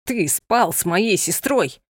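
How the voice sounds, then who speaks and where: A woman's voice: mid-range voice, lively intonation, takes it slowly, slightly rough, no room sound, studio quality. A woman voicing a proud, stern young gypsy man who speaks coldly and curtly. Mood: angry. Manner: cold, curt and commanding.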